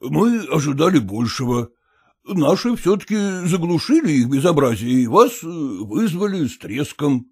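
Guy playing a fussy theatre man, slow and hesitant, lots of uhs, lively pitch. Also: husky, full character voice. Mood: reassuring. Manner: unhurried, hesitant with drawn-out "uh"s.

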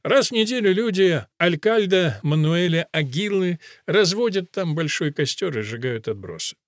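A man reading a novel aloud as narrator, in an even, descriptive manner. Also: sits high, moderate pace, dry recording, studio quality. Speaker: audiobook narrator. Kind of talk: scripted narration.

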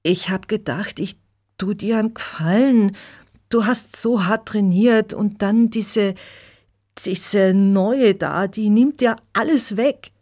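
A woman voicing a guilty young man who confesses in a quiet, halting voice. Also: medium pitch. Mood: ashamed.

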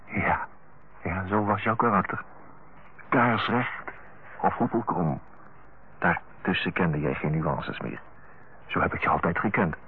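An actor playing an earnest, tender brother in a Dutch radio play, speaking in a solemn, eloquent, husky voice. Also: male voice, deep voice, measured pace, long pauses, slight background noise. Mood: earnest, reproachful. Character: earnest, tender brother counselling his older-aged sister. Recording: muffled, phone-like old radio recording.

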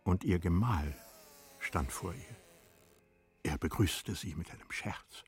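A man narrating a literary radio play in a measured, deliberate manner, letting phrase endings drop to a hush. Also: deep voice, faint music behind.

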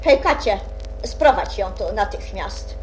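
A woman's voice: mid-range voice, expressive, measured pace, soft background music, lightly acted, poor audio. A woman playing an imperious, capricious queen who is fond of threats, in a theatrical children's radio play. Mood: imperious threatening. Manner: commanding, regal, theatrical. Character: imperious queen, bloodthirsty and capricious, feigning sweetness.

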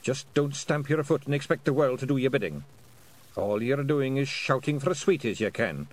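A man putting on a gruff old Scottish piper. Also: medium pitch, lively intonation, normal speed, voice pushed up, natural voice. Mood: kindly. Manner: gruff, scolding, blunt dialect. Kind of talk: audiobook character voice.

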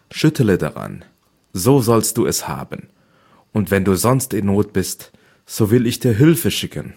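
A man voicing a dying mother in a fairy-tale reading, speaking softly, slowly and consolingly in a deep, husky voice. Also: full character voice. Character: dying mother, tender and pious.

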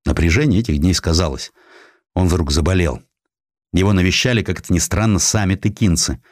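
A man reading a historical essay as an audiobook narrator, in an expressive, measured literary manner with distinct pauses. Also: low-pitched, no room sound, clean studio sound.

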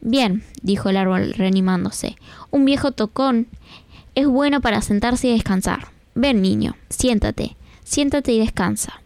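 A woman voicing a gentle, generous old apple tree in a soft, tender tone, on a children's radio story. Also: on the high side, a little slow, no echo.

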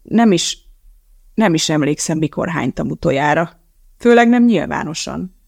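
A reader voicing a sick, nauseous young male scientist who mumbles and groans in a breathy half-whisper. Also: medium pitch, lively intonation, a little mellow, no echo, clean studio sound. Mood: embarrassed.

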